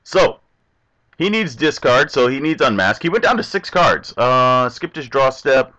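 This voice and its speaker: Commentating his online card game, this young man speaks in a mid-range voice at a measured pace. Animated and chatty, he addresses himself and his opponent as he plays, and the audio is dull and lo-fi.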